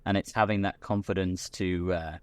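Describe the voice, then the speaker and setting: British guy guesting on a podcast, deep voice, dry close sound, keeps restarting sentences. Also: fairly even intonation, normal speed, smooth, no room sound. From Britain. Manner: chatty, full of restarts and repeated words. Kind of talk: casual chat.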